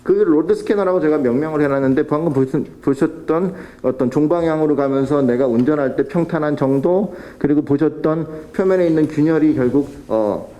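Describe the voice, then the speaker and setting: Man, technical presentation, explanatory, halting restarts, dull lo-fi recording. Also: fairly high pitch, dark tone. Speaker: presenter at a policy forum. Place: council hall.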